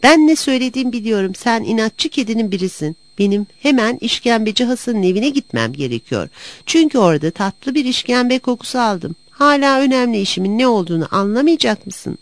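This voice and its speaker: A woman's voice: a little high, big pitch swings, fairly quick, dry recording, pitched above the performer's own voice. A woman voicing a bossy, hot-tempered white cat in a storybook reading. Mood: angry. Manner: shouting, bossy. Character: angry stubborn white cat, quick-tempered.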